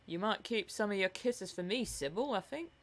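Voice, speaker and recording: Lady doing a gruff clumsy lad, grumbly and blunt but kind, novel reading. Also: medium pitch, lively intonation, a little fast. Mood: good-natured grumble. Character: gruff, good-natured, clumsy working lad. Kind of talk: audiobook character voice.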